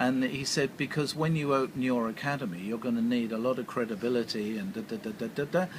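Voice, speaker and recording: With an English accent, a man talks in a medium pitch. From England, Kent. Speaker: businessman, hairdressing entrepreneur. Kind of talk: interview storytelling. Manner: halting with fillers.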